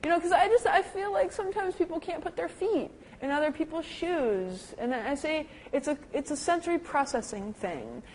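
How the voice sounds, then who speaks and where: Lively woman lecturing on dementia care. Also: moderate pace, hardly any pauses, slight background noise, rough recording. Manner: lively, acts out quoted people with big pitch jumps. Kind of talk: lecture to caregivers.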